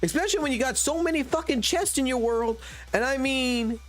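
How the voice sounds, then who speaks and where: A man's voice: extremely high pitch, brisk, fairly bright tone, soft background music. A man in his thirties ranting profanely and emphatically on a casual gaming livestream, talking into a desk mic at a home streaming setup. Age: 30s.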